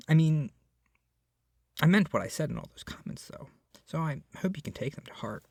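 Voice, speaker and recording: A man acts out a young male yandere captor for an ASMR roleplay, doting and possessive. His delivery is soft and awkwardly hesitant, often falling toward a whisper, with animated swings in pitch. The sound is dry, with no room around it. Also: creaky, slightly rough, no echo, heavily acted. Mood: smitten, possessive. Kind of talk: ASMR roleplay addressed to the listener.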